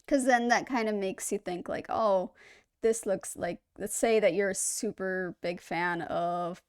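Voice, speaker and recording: A woman hosting a reaction video, chatting casually in an upbeat, rambling way and poking fun at herself. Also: fairly low pitch.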